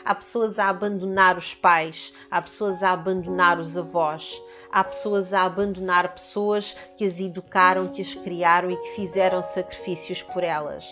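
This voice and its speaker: A woman's voice: fairly low pitch, fairly even intonation, moderate pace, few pauses. Woman w/ european portuguese accent giving an earnest spiritual talk, slightly muffled audio, faint music behind. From Portugal and the Netherlands. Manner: earnest, emphatic, uses repetition. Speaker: spiritual video host.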